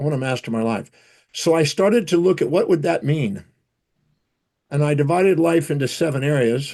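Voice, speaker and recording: Against a quiet background, a man with a fairly high pitch and a dark, mellow tone speaks at a fairly quick pace with ordinary pitch variation, yet leaves long, frequent pauses. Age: 70s. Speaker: author and teacher. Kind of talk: interview. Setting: podcast.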